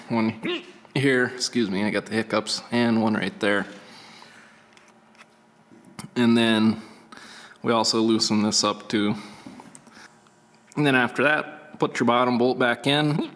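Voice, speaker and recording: A man's voice: medium pitch, a bit bright, big-room sound. A man hosting a casual DIY how-to walkthrough, laid-back and plain-spoken, explaining each step with frequent fillers. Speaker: channel host.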